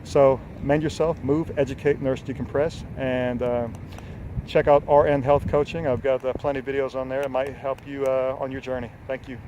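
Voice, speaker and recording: A man's voice: mid-range voice, flat delivery, normal speed, dark tone, lo-fi sound, a little hiss or hum. A man in his forties, a health coach, giving an earnest, rambling motivational talk with many fillers and casual swearing. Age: 40s. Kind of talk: unscripted motivational talk to camera.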